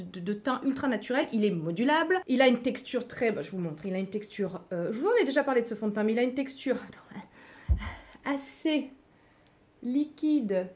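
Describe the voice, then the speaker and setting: Middle-aged lady doing a makeup tutorial, kinda high voice, chatty, lots of ums and little jokes. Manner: chatty, playful asides, frequent hesitations. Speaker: beauty vlogger.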